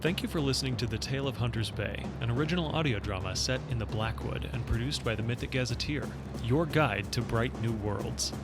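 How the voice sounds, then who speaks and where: A man reading the show's closing credits in an even, formal manner. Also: medium pitch, brisk. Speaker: show announcer. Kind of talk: scripted credits read. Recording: music bed underneath.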